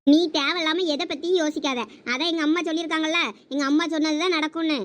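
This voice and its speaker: A woman's voice: sits high, steady tone, lightly acted. A woman with a Thoothukudi Tamil accent playing a chatty, teasing young village woman in a comedy skit. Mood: coaxing. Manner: quick, bossy, teasing.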